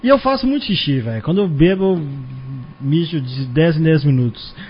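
A man's voice: on the high side, sing-song, a little fast, slightly rough. A man hosting a casual podcast chat, jumping in with slangy reactions and his own stories. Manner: reactive, laughing, slangy interjections. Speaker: podcast host. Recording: dull, lo-fi recording.

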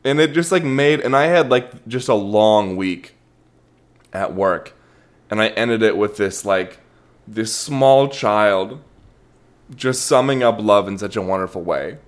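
A man's voice: fairly low pitch, a little slow. Young guy rambling thru a story on his podcast, swears a bunch, laughs at himself. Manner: rambling, self-deprecating, swears casually. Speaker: podcast host. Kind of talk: casual storytelling monologue.

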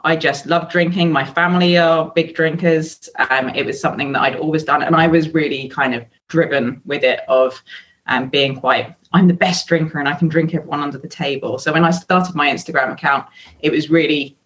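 A woman's voice: low-pitched, fairly even intonation, fairly quick, fairly bright tone, poor audio. An English woman in her thirties, a sobriety coach, talking candidly as a podcast guest with frequent fillers. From England. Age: 30s. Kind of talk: casual podcast interview.

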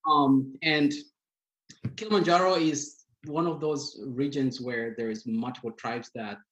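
A man from Tanzania, a guest on a podcast, speaking in a measured way with pauses and fillers. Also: medium pitch, steady tone, a bit bright, low-quality recording. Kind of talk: casual interview.

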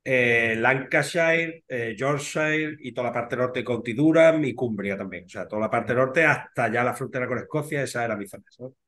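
A man's voice: medium pitch, moderate pace, hardly any pauses, a bit bright. A man with a Spanish accent, a veterinarian guest in a casual interview, talking in a chatty way and tagging "¿sabes?" and "tío" onto his sentences. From Spain.

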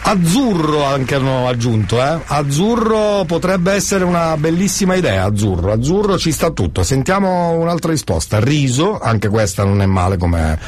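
A man's voice: fairly high pitch, expressive, normal speed, few pauses, slight background noise. A man hosting a radio quiz like a showy game show host, playful and jokey, often repeating himself for effect. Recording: music bed behind voice. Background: music.

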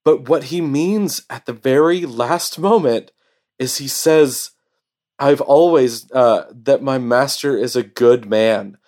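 A man in the middle of an excited podcast chat, breaking down a favorite anime scene. He stumbles over his words and restarts often, and his voice sits at an ordinary middle pitch. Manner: enthusiastic, halting with fillers and restarts. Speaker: podcast co-host. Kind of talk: casual anime review chat.

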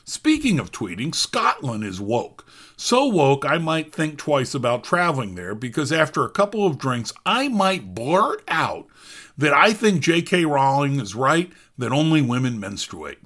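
A middle-aged man delivers scripted opinion commentary on the news. His voice sits a little high and swings widely in pitch. He reads quotes aloud and breaks them with dry, wry asides. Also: very animated, a little slow, fairly bright tone. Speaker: commentary host.

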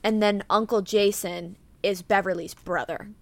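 On her casual true-crime podcast, a young co-host rambles through a case, leaning heavily on "like" and "um" and reading from notes. Her mid-pitched, creaky voice stays steady at normal speed, recorded close to the mic with a dry sound and no room around it.

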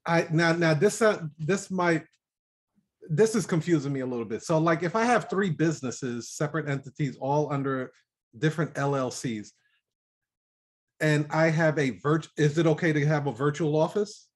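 A man hosting a casual online show, asking a guest questions and hyping up his listeners with quick, short replies. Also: fairly high pitch. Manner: upbeat, short acknowledgments, hypes the audience. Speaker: show host. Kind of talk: casual interview and live audience chat.

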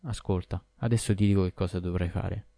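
A man's voice: sits low, fairly even intonation, brisk, creaky, mellow, no echo. A man voicing a talkative, scheming male donkey in an audiobook, speaking urgently and persuasively. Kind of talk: audiobook character voice.

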